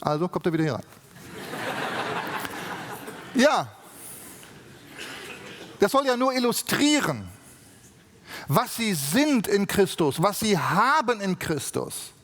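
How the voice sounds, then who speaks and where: A man's voice: high-pitched, sing-song, a little slow, long pauses, fairly bright tone. A man from Germany preaching a sermon with emphatic rhetorical questions and frequent tag questions, in a large conference hall. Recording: long reverb of a large hall.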